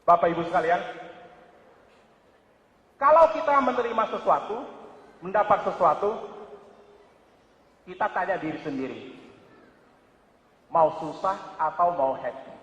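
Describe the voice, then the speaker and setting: A man giving a Buddhist dharma talk to a congregation, lively, acting out quoted voices and swinging between loud and quiet. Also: high voice, a little slow, pauses often. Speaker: Buddhist speaker. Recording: echoey hall, dull lo-fi sound.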